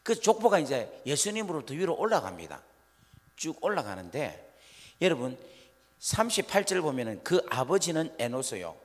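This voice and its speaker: A pastor preaches a revival sermon in a church sanctuary with a fairly high voice, big pitch swings and normal speed. He questions the congregation and acts out scolding parents, while a long church-hall reverb fills the recording.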